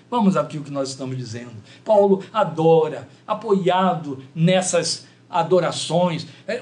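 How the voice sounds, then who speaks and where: High-voiced Brazilian pastor preaching. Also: male voice. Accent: Brazilian Portuguese. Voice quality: cracked voice. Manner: warm, chatty asides to the congregation, emotional. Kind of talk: sermon.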